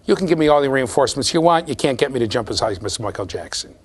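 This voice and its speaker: A man with a low voice giving a classroom lecture, talking straight to the students in a lively, conversational way. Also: racing, husky. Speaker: university lecturer.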